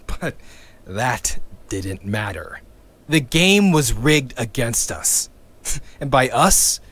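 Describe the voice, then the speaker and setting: A man's voice: fairly high pitch, a bit bright, exaggerated voice. An actor playing a bitter young male activist in an audio drama, sardonic and swearing, with wry laughs between his lines. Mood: angry.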